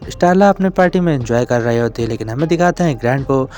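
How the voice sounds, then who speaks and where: A man's voice: mid-range voice, lively intonation, fast talker, darkish tone, soft background music. A man narrating a film plot recap in a plain storytelling way, leaning heavily on intensifiers.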